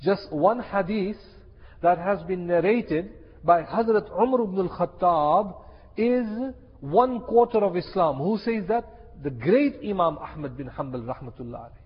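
Impassioned high-voiced male preacher. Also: animated, measured pace, husky. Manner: impassioned, repeats key phrases for emphasis. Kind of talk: sermon. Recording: echoey hall, dull lo-fi sound.

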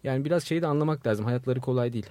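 A man's voice: mid-range voice, rapid-fire, a little mellow, dry recording. A male musician reflecting on their music in a radio interview, with loose, rambling phrasing. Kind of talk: casual interview.

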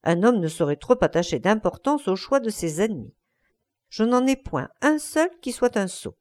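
A woman's voice: medium pitch, very animated, moderate pace, a little mellow, lightly acted. A woman reading a languid, witty young lord. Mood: ironic.

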